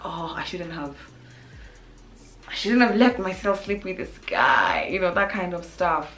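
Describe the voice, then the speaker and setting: A young woman hosting an advice vlog, talking candidly to camera with a slightly hoarse voice, often restarting her sentences. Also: low voice, a bit bright. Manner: chatty and candid, with frequent restarts and fillers. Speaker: YouTube advice host. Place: small room with a painting and plants.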